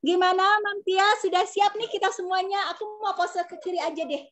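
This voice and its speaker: Very high-pitched Indonesian woman hosting online. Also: a little fast, a bit bright, highs cut off. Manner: chatty, encouraging. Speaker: online class host. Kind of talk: informal hosting of an online class. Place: video call.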